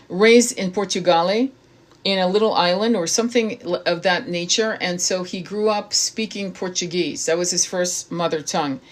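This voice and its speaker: A woman hosting her own channel, reading aloud from a book and breaking off into blunt, casual commentary with frequent swearing and stumbles. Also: mid-range voice. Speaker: tarot reader and spiritual channel host.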